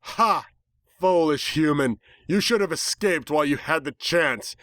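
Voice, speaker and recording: Guy doing a evil misty pony villainess, scornful and haughty, voice pushed up high, storybook drama. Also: animated, a little slow, a bit bright, no echo, clean studio sound. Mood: scornful, menacing. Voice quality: deep feminine voice as narrated, scornful delivery. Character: malicious, arrogant evil smoke pony villainess, tall, disdainful.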